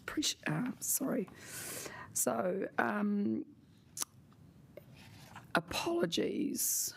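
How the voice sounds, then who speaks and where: Raspy, gravelly New woman chairing. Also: medium pitch, wildly swooping pitch, extremely slow, in a whisper. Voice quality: raspy, slightly husky voice. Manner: hesitant, stop-start, with apologies and fillers. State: recovering from a sore throat. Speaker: committee chair. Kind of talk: chairing a council meeting.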